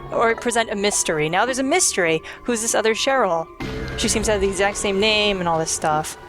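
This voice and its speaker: Woman, casual let's play host, chatty, opinionated, clear game music behind. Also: mid-range voice, brisk. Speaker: host playing and presenting a video game. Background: video game music.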